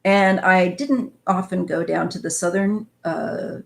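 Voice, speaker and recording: Her voice is on the low side and creaky, with fairly even intonation and an unhurried pace. This fifty-something tarot host from northwest Missouri, USA, rambles casually through a live-stream chat, reading comments and calling viewers "you guys."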